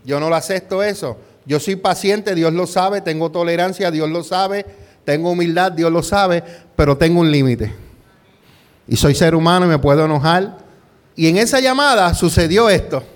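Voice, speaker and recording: Male pastor, middle-aged, slightly high voice; conversational sermon full of rhetorical questions and Spanglish asides. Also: normal speed. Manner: peppers talk with rhetorical questions and "¿verdad?"; drops English words into Spanish. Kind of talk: conversational sermon with personal story.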